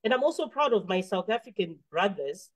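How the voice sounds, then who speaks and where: A woman's voice: medium pitch, very animated, a little fast. A woman with a Zimbabwean accent, a musician answering as an interview guest in an earnest, explanatory, conversational way.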